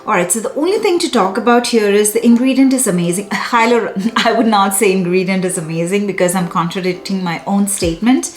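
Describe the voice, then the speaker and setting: A woman's voice: medium pitch, fairly quick. Woman, 30s, chatty beauty vlogger, effusive and self-correcting, roomy echo with faint music under her. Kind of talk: casual product review to camera. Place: small bright room indoors.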